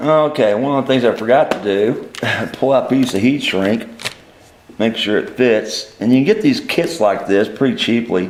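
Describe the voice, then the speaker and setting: A man speaks at a moderate pace with a medium pitch and ordinary pitch variation. There is audible room echo and noticeable background noise. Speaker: amp repair hobbyist. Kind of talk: tutorial. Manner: casual, chatty.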